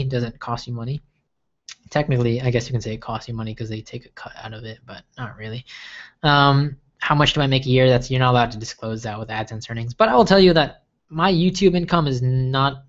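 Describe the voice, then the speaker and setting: A man's voice: medium pitch, a bit bright, dull audio. A young man from the States hosting a casual livestream Q&A, chatty and rambling with lots of fillers and restarts. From United States. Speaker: livestream host answering viewer questions.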